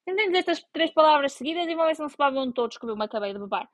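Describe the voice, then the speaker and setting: Young woman, European Portuguese accent, slightly high voice, chatty and self-deprecating, dry close recording. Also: racing, no room sound. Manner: chatty, self-mocking, animated. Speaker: vlogger. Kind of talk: casual chat to camera.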